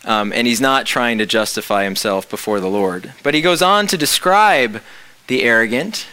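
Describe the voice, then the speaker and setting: A man's voice: medium pitch, animated, moderate pace, bright, forceful tone, clean tone, low-quality recording. A man preaching a reflective sermon, explaining scripture with rhetorical questions.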